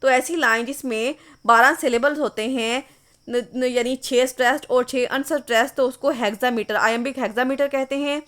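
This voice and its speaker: A woman's voice: high voice, steady tone, normal speed, a bit bright. A woman giving an online English literature lesson, explaining patiently and reading words out one at a time. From Pakistan. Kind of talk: online lecture.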